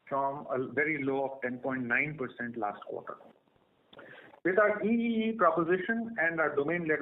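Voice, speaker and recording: Male executive, slightly high voice, scripted earnings-call delivery, narrow phone-line sound. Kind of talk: scripted corporate earnings presentation. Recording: tinny phone line with faint noise.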